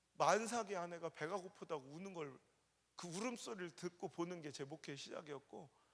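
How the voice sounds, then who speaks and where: Casting note: male revival preacher in his forties, high and gravelly, impassioned, recorded in a reverberant sanctuary. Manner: impassioned, swings from hushed to shouting. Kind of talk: emotional revival sermon. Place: church sanctuary. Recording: long reverb of a church sanctuary.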